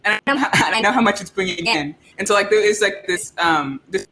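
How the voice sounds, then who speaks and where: A young woman on a casual panel, talking in a scattered, halting way and often breaking off mid-phrase. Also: mid-range voice, bright, forceful tone, poor audio. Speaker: audio drama creator and panelist. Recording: faint background noise and room ambience.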